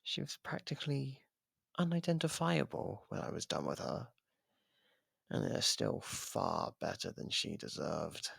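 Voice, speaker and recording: A man playing a sardonic, taunting imprisoned murderer in an ASMR roleplay, with a gravelly, husky voice and theatrical pauses, close on the mic. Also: deep voice, very animated, a bit bright, dry recording, full character voice. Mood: menacing. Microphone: close microphone, dry.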